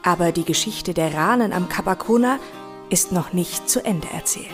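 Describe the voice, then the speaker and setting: Eine Frau spricht als Erzählerin einen vorbereiteten dokumentarischen Text. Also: female voice, on the low side, moderate pace, over music. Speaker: narrator. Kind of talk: scripted documentary narration.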